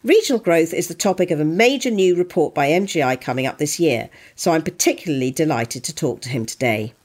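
A woman's voice: sits low, expressive, brisk, darkish tone. A woman hosting an interview podcast, introducing her guest and asking questions in an articulate, scripted way. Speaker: podcast host.

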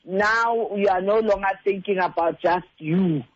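Here a South African man with a Xhosa accent and a high voice talks a little slowly, earnestly advising as a relationship counsellor. Mixing two languages, he is direct and repeats himself to underline points. The high frequencies are cut off.

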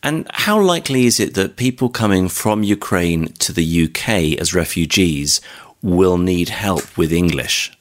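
A man interviewing a guest for local radio, asking questions in a calm way. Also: low-pitched, unhurried.

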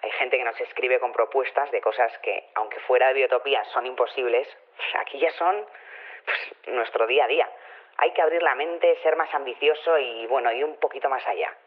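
Rambling official on a tinny phone. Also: male voice, medium pitch, moderate pace. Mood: casual, earnest. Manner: rambling, colloquial, hedging with tag questions. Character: chatty, casually self-assured male official of futuristic community. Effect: telephone filter. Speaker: interviewed community official. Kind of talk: improvised-sounding radio phone-in interview. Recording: narrow, tinny phone line.

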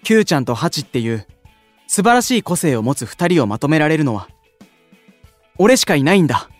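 Casting: a gentle, earnest young leader with a lively, expressive delivery. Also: male voice, a little high, brisk, no room sound, faint music behind. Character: earnest kind young male idol leader. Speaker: unit leader, station-worker idol. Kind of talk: anime-style voice drama acting.

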